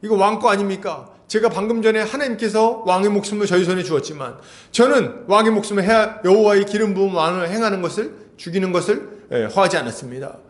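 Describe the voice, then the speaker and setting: A man's voice: high-pitched, fast talker, natural voice. A man voicing the young warrior David as a humble, earnest speaker, solemnly pleading his case to a king.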